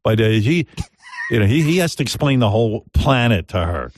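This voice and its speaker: A man hosting a radio talk show, an animated storyteller who keeps acting out other people's voices. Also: medium pitch, brisk, no echo, clean studio sound. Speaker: radio host.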